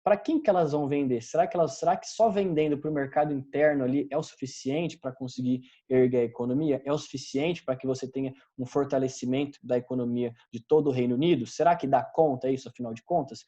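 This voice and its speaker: A man's voice: medium pitch, quick pace, hardly any pauses, dark tone. A man with a Brazilian accent teaching a recorded class, talking conversationally, often correcting himself and checking in with his students. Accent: Brazilian Portuguese. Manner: conversational, many fillers and self-corrections, addresses students directly.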